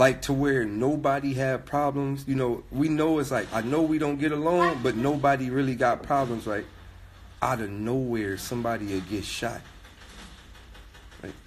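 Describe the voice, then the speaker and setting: Animated in tone, a man speaks at a medium pitch and moderate pace with ordinary pitch variation, and the room echo is audible. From Watts, Los Angeles. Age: 30s. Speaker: battle rapper and commentator. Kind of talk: casual chat.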